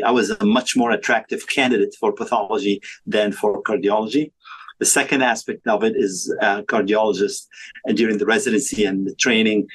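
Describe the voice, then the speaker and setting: A man's voice: on the low side, husky, poor audio. A man in his fifties from Egypt, a pathologist talking through his career in an interview, thoughtful and full of fillers and restarts. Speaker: podcast guest, pathologist. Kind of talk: conversational interview.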